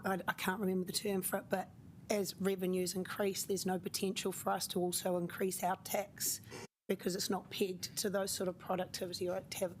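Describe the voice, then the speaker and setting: A woman with a croaky voice, answering a question in a formal council meeting, casual and searching for words. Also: lowish voice, darkish tone, a little hiss or hum. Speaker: council officer.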